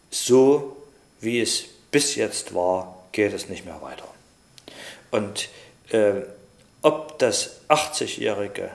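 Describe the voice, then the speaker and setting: A man at a very slow pace, with lively intonation, big swings in loudness and long, frequent pauses. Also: medium pitch for a man. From Germany, Dresden, Saxony. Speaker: former East German civil rights activist, interviewee. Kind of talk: recorded oral-history interview answer.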